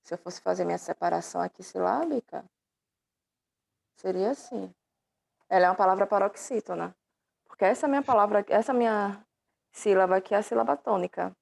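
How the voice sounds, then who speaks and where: A woman's voice: mid-range voice, a little fast, gravelly, a little mellow. A woman teaching an online class through her laptop microphone, patiently explaining step by step and affectionately calling her students dear.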